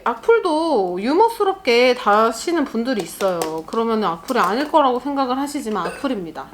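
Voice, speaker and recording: A young woman doing a makeup vlog in casual chat, animated and laughing often as she reads comments. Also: a little high, a little fast, a little hiss or hum. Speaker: beauty YouTuber. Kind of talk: get-ready-with-me makeup vlog.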